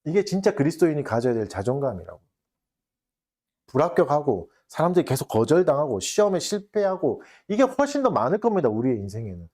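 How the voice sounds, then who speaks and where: A man's voice: on the high side, sing-song, fairly quick, a little mellow. A male pastor preaching a sermon, asking the congregation rhetorical questions and acting out quoted taunts.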